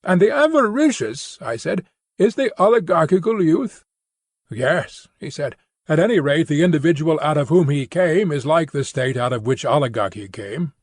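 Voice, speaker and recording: A man reading a philosophical dialogue as an audiobook, in a measured, formal and expressive way. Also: fairly high pitch, no echo, clean studio sound. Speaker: audiobook reader. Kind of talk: scripted narration of a philosophical dialogue.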